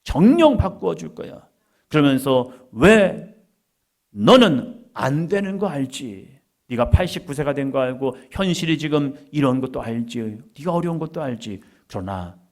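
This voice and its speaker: A male pastor preaching, acting out scripture dialogue in a slow, drawn-out, homey voice. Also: medium pitch, animated, a little mellow. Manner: dramatizing God's words in a slow, drawn-out homey voice. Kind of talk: sermon.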